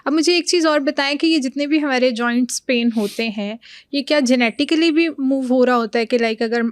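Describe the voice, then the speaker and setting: A woman's voice: high voice, no room sound, clean studio sound. A young woman hosting a podcast interview, asking curious questions and often affirming with short interjections. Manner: inquisitive, frequent affirming interjections. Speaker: podcast host.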